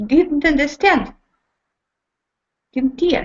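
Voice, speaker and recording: A woman speaks at a high pitch with a non-native accent. Her pitch varies in an ordinary way. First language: not English. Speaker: satsang participant. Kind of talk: spiritual dialogue. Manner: halting.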